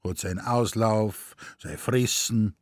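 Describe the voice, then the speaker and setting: A laconic, gruff Bavarian husband with dry remarks, as the male reader does him. The voice is husky and unhurried, close and dry. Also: lowish voice, no echo.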